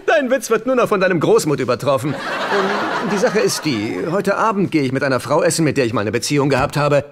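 A man's voice: on the high side, very animated, fairly quick, noisy background. A man playing a fussy, sheepish middle-aged dad in a dubbed sitcom. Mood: awkward, wheedling.

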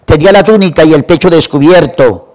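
A man retelling a classic novel for a literature program, in a measured way and lingering over lists. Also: fairly high pitch, darkish tone. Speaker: literature presenter.

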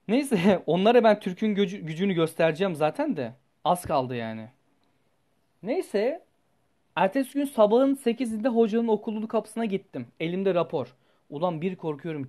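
A young man, a student, telling a story to his viewers in a casual, animated way, blunt and full of swearing, his voice jumping up and down as he goes. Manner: animated, blunt and profane, with sudden jumps in pitch and loudness.

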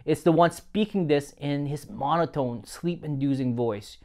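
A man's voice: fairly high pitch, lively intonation, moderate pace, gravelly, darkish tone. A man hosting a product onboarding review, narrating from a script with wry jokes and small chuckles. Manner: wry, joking, chuckles at own lines. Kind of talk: scripted narration with playful asides.

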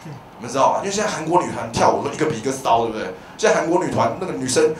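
A man in his thirties with a Taiwanese Mandarin accent doing a stand-up comedy set on a club stage, animated and given to loud shouted bits. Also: mid-range voice, very fast. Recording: echoey club sound from a distance, audience noise.

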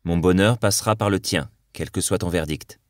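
A man's voice: sits low, moderate pace, dry recording, studio quality, natural voice. A man reading a tender woman in love.

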